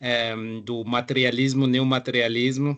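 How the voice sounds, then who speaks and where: This man's pace is fairly slow. He has a non-native accent. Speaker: economics professor. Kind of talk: academic lecture. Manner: halting, hesitant.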